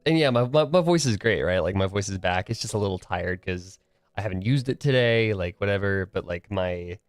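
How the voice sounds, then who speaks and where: A man's voice: deep voice, expressive, brisk, dry recording, clean studio sound. A young man streaming solo, rambling casually with lots of fillers, his voice a bit stuffy and nasal from a cold and tired from the morning. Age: young adult. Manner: rambling, filler-heavy, restarts often.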